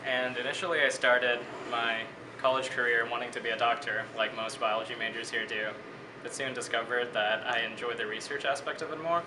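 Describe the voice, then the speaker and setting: Articulate young man in an echoey room. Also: mid-range voice. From Bangladesh. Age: 20s. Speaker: interviewee, biology student. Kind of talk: casual interview answers. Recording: echoey room with steady air-conditioning hum.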